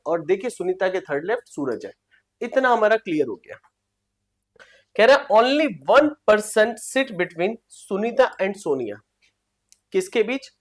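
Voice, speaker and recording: A woman teaching a seating-arrangement reasoning lesson online, reading problem lines slowly and checking in with her students. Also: medium pitch. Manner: reads problem lines slowly and repeats them, checks with "clear?". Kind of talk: online exam-prep lesson.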